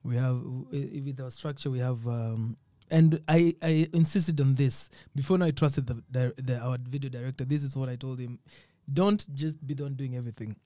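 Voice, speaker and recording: A man from Kenya and Uganda, a musician guest on a podcast, talking casually in a relaxed, hesitant way with frequent laughs. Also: mid-range voice, moderate pace, few pauses, no room sound, clean studio sound.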